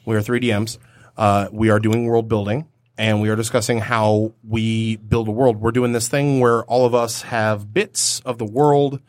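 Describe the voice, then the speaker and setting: A man's voice: lowish voice, normal speed, dry recording. A man co-hosting a podcast in a studio, chatting casually and rambling a little about building a tabletop game world. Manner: relaxed, rambling with restarts. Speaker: podcast co-host leading the session.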